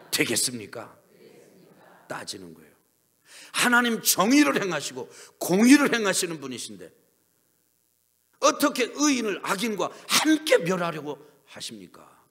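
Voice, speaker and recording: A man's voice: on the high side, fairly bright tone. A middle-aged male pastor preaching a sermon, acting out dialogue and leading the congregation in call-and-response.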